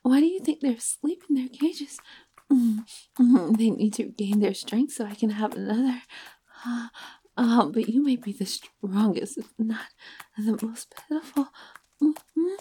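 A woman playing a predatory, seductive female creature that drains life, speaking in a breathy, whispered, domineering tone in an erotic audio roleplay. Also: a little high, animated, unhurried, mellow.

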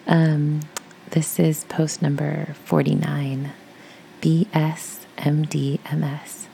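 A woman with a raspy voice, reading a post aloud in a soft, casual whisper. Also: low-pitched, level tone, slow, slight background noise, low-quality recording. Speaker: audio creator reading posts.

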